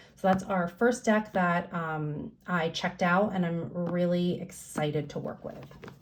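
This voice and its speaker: Against noticeable background noise, a woman speaks fairly slowly in a fairly low voice with ordinary pitch variation. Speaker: tarot and oracle deck reviewer. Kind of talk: product review and card reading.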